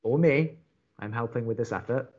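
A man's voice: mid-range voice, normal speed, lightly acted. Man playing dry, jaded college radio host, dull audio. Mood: dry, reluctant. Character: Drew, sardonic, jaded young male college radio co-host. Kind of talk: naturalistic audio drama acting.

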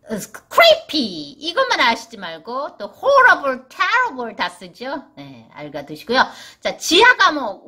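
Lively, bright-voiced woman teaching vocabulary. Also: sits high. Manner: repeats English words slowly and emphatically. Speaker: English vocabulary teacher for parents. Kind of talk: casual vocabulary lesson.

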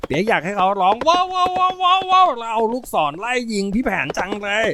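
A man voicing an excitable, naive little boy who shouts and chatters eagerly. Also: fast, background noise. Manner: shrill, shouting, breathless excitement.

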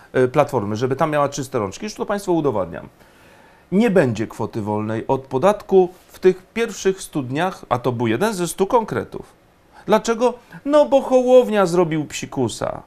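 A man giving indignant, emphatic political commentary, often pausing on fillers. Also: medium pitch, a little mellow.

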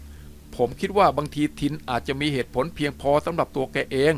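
A man voicing a calm, kindly male headmaster who speaks in a measured, gentle, formal way. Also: a little high, close to an everyday voice.

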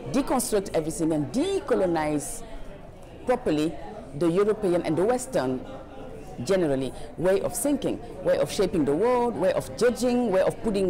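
A woman from Senegal, an activist, speaking earnestly in a documentary interview in an office. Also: lowish voice. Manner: earnest, building intensity with repetition. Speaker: activist and board member. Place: indoor office with plants.

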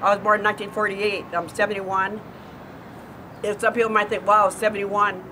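A woman's voice: medium pitch, flat delivery, moderate pace. A woman in her seventies, chatting earnestly in a backyard, often repeating words as she thinks, filmed by a distant camera. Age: 70s. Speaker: neighbor answering viewer questions. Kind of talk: casual outdoor chat. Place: backyard lawn by a wall, outdoors. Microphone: far camera. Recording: outdoor noise, distant camera mic.

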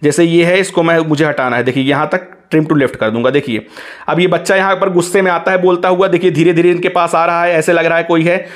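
A man's voice: fairly high pitch, quick pace. A man hosting a tech tutorial, narrating over a phone screen recording and keeping on at viewers to look as he shows each step. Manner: instructive, keeps saying "look" to guide viewers.

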